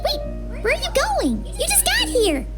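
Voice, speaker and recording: A woman voicing a tiny, excitable female flying companion in a game, chirpy and talking about herself by name. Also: very high-pitched, unhurried, exaggerated voice. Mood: protesting. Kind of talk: game dub acting. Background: game music.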